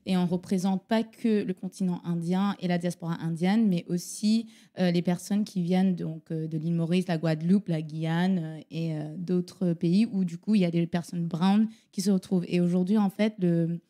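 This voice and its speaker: Low, dark-voiced woman explaining at length. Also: fairly even intonation, normal speed, hardly any pauses. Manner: explanatory, hesitant with many fillers. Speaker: guest, activist collective member. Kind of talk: interview answers.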